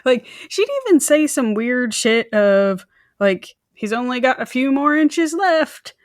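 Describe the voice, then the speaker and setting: A woman's voice: sits high, animated, unhurried, dry recording, clean studio sound. A woman co-hosting a true crime podcast, telling a story in a casual, colloquial way with joking asides. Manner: informal, colloquial, joking asides and mimicked quotes.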